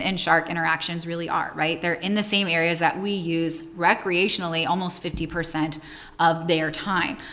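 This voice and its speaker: A speaker with a Pennsylvania accent talks at a moderate pace with ordinary pitch variation. Audible room echo and noticeable background noise are both present. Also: woman. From Pennsylvania, US. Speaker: shark conservation educator. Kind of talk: public lecture. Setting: presentation to audience. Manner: conversational, some stumbling.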